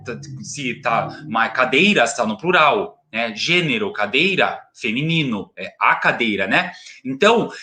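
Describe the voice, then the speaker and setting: A man's voice: medium pitch, bright, forceful tone. A Brazilian man teaching a recorded school grammar lesson. He explains step by step, asks questions and answers them himself, and repeats single words and word parts.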